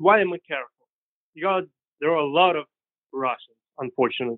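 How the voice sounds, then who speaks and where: A man speaks with a Ukrainian accent and ordinary pitch variation. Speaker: Ukrainian interviewee.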